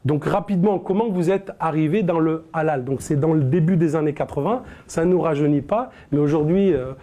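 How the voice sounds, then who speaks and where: A man's voice: fairly high pitch, fairly quick, mellow. Hesitant man hosting an interview. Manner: hesitant, many fillers and restarts. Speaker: interview host. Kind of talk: hosted studio interview. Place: studio set.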